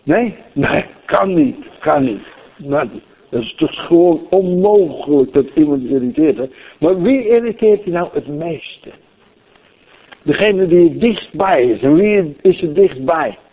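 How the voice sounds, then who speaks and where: A man's voice: on the high side, expressive, measured pace. An older man preaching a sermon, asking the listeners questions and repeating phrases as he swells up on key words. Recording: tinny phone-like recording.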